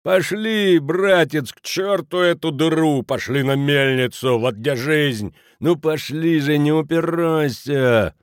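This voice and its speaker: Man voicing a mocking drunk lout, high loud bellow, drawn-out words. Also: clean tone, no echo, studio quality. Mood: jeering. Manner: jeering, bellowing, leering. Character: rowdy mocking drunk man, big, crude.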